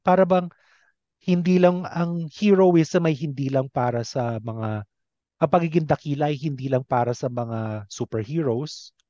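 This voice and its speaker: A man with a Filipino accent hosting a casual interview, earnest and a little halting as he forms his thoughts. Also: fairly high pitch, steady tone, mellow, dry recording, lo-fi sound. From Philippines. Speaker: interview host. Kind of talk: casual conversational interview, mixing two languages.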